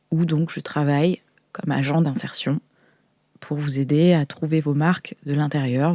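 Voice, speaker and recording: A low-voiced, mellow female museum agent from a sci-fi audio fiction , improvised by a woman. She explains hesitantly, flustered and a little defensive. The sound is close and dry. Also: no room sound. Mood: sheepish, explaining. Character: flustered young woman, junior integration agent in a futuristic museum. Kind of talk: improvised roleplay.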